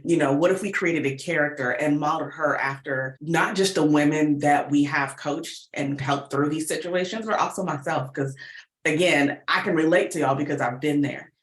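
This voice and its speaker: An American woman giving talkative, informal interview answers in an animated storytelling way. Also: deep voice. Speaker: guest, podcast producer and relationship coach. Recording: roomy, echoey sound.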